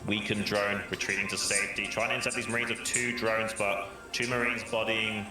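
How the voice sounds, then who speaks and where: A man's voice: lowish voice, level tone, fairly quick, music in the background. A man giving analytical commentary on a match, explaining the strategy in detail. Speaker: esports commentator. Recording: very roomy broadcast audio.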